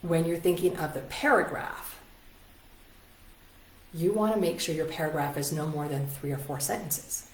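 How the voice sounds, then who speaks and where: A woman's voice: low-pitched, fairly even intonation, normal speed, pauses often. A woman in her forties teaching presentation skills from home in a casual, conversational way, full of rhetorical questions. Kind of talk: casual online teaching talk. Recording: echoey room.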